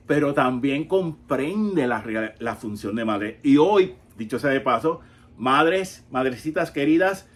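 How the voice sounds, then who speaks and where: Slow, deliberate male Catholic catechist. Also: a little high. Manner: slow, pausing, conversational teaching with many rhetorical questions. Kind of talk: catechetical Bible teaching.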